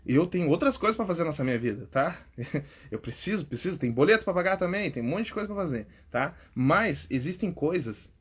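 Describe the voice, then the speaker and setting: A man's voice: a little high, husky. A Brazilian man hosting a podcast on public speaking, coaching listeners in a chatty, casual way. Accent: Brazilian Portuguese. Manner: chatty, says "cara" and "tá?" often, laughs at himself.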